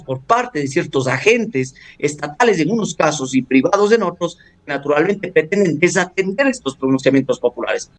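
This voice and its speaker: Formal man, legal analyst. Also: high-pitched. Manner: formal, measured, legalistic, with frequent hesitations. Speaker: constitutional law professor, interview guest. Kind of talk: radio interview, analytical commentary. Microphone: studio or phone radio interview.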